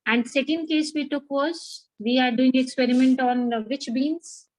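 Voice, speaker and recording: A woman's voice: sits high, steady tone, normal speed, a little mellow, dry recording, poor audio. A woman with a South Asian accent teaching a biology class, repeating key points and prompting students with questions. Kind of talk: interactive lecture with questions to students.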